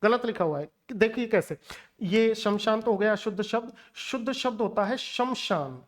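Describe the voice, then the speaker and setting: A man's voice: sits high, normal speed. A male teacher gives a spoken language lesson aimed at exam preparation. He lectures emphatically and speaks straight to his students. He drills pronunciations by saying the same word several times in a row. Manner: emphatic, drills words by repeating them; lecturing, addresses viewers directly. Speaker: Hindi teacher.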